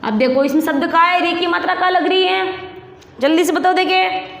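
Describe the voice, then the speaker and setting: A woman's voice: very high-pitched, normal speed, creaky, a bit bright, reverberant, long reverb tail. A woman teacher with a Rajasthani Hindi accent, patiently drilling syllables for young children and asking them to repeat. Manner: patient, repeats sounds and asks children to answer back. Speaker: primary school Hindi teacher. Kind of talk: classroom lesson, slow syllable drilling.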